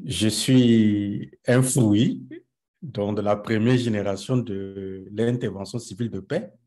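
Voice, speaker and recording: A young man from Cameroon, a peace researcher, speaking as a guest on an online live interview, slowly and with many hesitant pauses. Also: fairly low pitch, dark tone. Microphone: video call.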